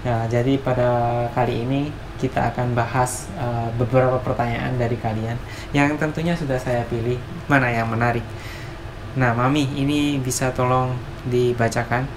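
A man's voice: medium pitch, steady tone, normal speed. A young man hosting a casual vlog chat and asking questions. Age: young adult. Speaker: vlog host. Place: small home kitchen, indoors. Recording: echoey kitchen, noticeable background noise.

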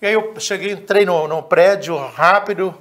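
A man telling stories in a casual, lively way, often laughing and acting out the dialogue. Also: high voice, normal speed. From Minas Gerais, Brazil. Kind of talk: casual anecdotal storytelling.

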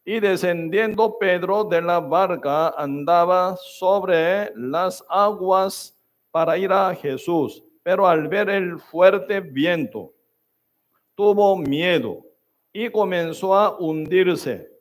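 A man preaching a sermon in short, emphatic phrases, often checking with the congregation with quick questions. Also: high voice. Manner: keeps asking the congregation "¿verdad?" and "¿sí o no?".

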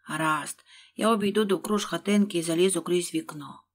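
A woman voicing a fussy, short-tempered male rabbit who shouts and scolds his servant, in a husky voice. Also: fairly low pitch, fairly quick. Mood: shouting.

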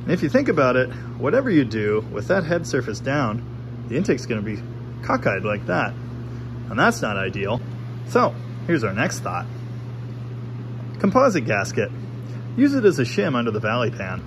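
A man's voice: medium pitch, huge pitch swings, normal speed, long pauses, background noise. A man hosting a garage video, giving casual, wry workshop commentary while showing engine parts in his home garage. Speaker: host of a garage engine-building channel.

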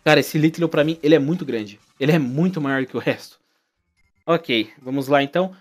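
A young Brazilian gaming YouTuber with a Brazilian Portuguese accent jokes through his playthrough commentary, exclaiming and talking directly to the game characters. His voice is on the high side and fairly quick, with faint music in the background.

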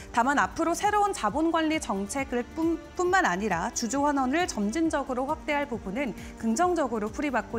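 A young woman presenting a financial report on television in a polished, formal broadcast manner. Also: high-pitched. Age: young adult. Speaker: TV stock market news presenter. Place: TV studio. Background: background music.

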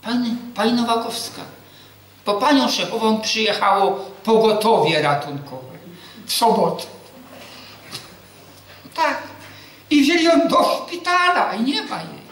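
A man's voice: high voice, a little slow, pauses often. A man preaching a sermon, quizzing the congregation with questions he answers himself and telling personal stories. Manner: tells personal stories with lively quoted dialogue. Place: church hall. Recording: very echoey hall.

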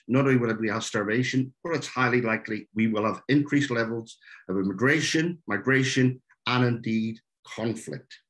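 A man's voice: medium pitch, a bit bright. A man from Ireland with an Irish accent, giving an earnest webinar talk with frequent fillers over a video call. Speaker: speaker.

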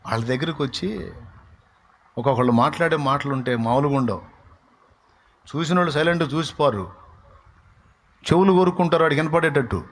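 A man preaching a sermon, acting out the voices of scoffers and building to emphatic rhetorical questions. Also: fairly bright tone. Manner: acts out crowd voices in shifting pitch and volume. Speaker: pastor.

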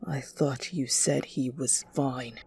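A woman voicing a broken, menacing father in a story, muttering blame in a hushed, repetitive chant. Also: rumbling low, fairly even intonation, rapid-fire, breathy edge, voice pushed down, full character voice. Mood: cold, broken.

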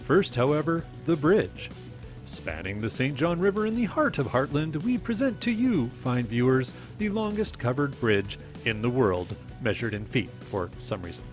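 Holding his camera at arm's length on seaside paths and trails, a man in his forties hosts a geocaching travel vlog with voice-over narration. His mid-range voice swings widely in pitch at a normal pace, upbeat and playful like a tour guide, with soft background music.

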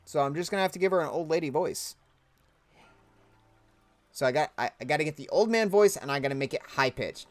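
A man's voice: a little high, lively intonation, fairly quick, pauses often, dry recording. A man casually commenting on his gameplay with chatty, self-mocking asides. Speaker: let's play gamer.

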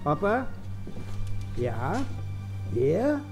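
A man's voice: on the high side, huge pitch swings, extremely slow, over music, full character voice. An actor playing a tense, secretive man who is curt with his companion in a horror audio drama.

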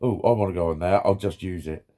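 A man's voice: low-pitched, quick pace, mellow. Sweary man ranting casually. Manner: swears constantly, laughs, acts out quotes. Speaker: vlogger. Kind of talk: casual vlog rant. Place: small room with tapestries, lounging.

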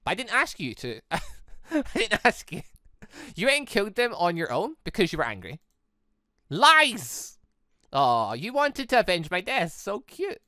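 A young woman streams a visual novel as a let's play streamer, reading the lines aloud and chatting about the plot. Her mid-range voice runs a little slow, chatty and animated, and she voices the characters in her own voice. The recording is dry with clean studio sound.

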